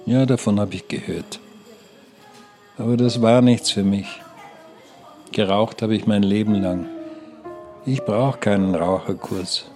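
An actor playing a proud, stubborn older smoker who defends himself insistently in a radio play. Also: male voice, lowish voice, measured pace, long pauses, a little mellow, faint music behind, natural voice. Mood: defiant pride. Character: stubborn, proud old male lifelong smoker. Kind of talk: radio play, mock documentary interview.

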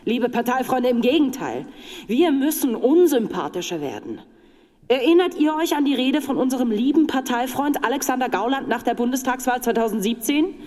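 A woman's voice: high-pitched, very animated, moderate pace, darkish tone. An actress playing a provocative woman in her thirties giving a sarcastic, emphatic political speech in a radio drama. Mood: provocative, rousing. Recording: echoing large hall with crowd.

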